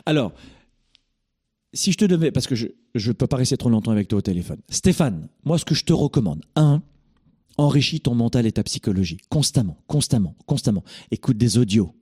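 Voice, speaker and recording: A man's voice: medium pitch, sing-song, a little fast, mellow, slightly rough. A middle-aged man hosting a call-in coaching show, speaking in an emphatic, preachy, directive way.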